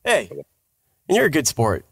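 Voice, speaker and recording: Man, slightly high voice, animated intonation, informal co-host, halting questions, jokey. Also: gravelly, husky, no echo, studio quality. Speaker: podcast co-host. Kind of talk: casual interview chat.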